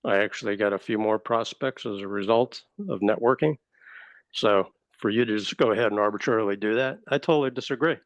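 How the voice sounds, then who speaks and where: A man speaks up firmly and defiantly on a call and keeps clearing his throat. The line is dull and muffled, and the sound is dry with no room echo. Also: fairly low pitch, brisk. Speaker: club member. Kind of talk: recorded meeting call.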